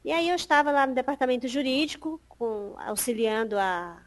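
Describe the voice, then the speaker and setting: A middle-aged woman, a guest in an interview, telling a story in a lively way and acting out past conversations. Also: high-pitched, normal speed. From Piauí, Brazil. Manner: acts out past conversations, animated.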